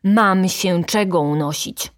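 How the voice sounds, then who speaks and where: A woman voicing a hot-tempered, indignant poor young male student who shouts in outrage. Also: on the low side, slow.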